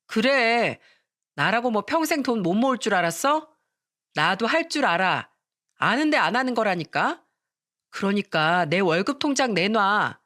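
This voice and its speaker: A woman's voice: mid-range voice, very animated, a little slow, a bit bright, dry recording, studio quality. A woman voicing a young wife who whines, begs and talks back, in a dramatized story reading. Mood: defiant. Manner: whiny, begging tone. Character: young wife, pleading and defiant.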